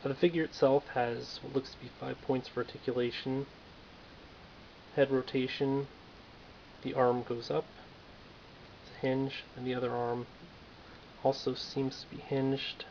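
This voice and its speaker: A man's voice: medium pitch, little pitch movement, unhurried, creaky, long pauses, darkish tone. A man casually reviewing a toy figure in a dry, offhand, self-mocking way, in a lo-fi home recording with faint hiss.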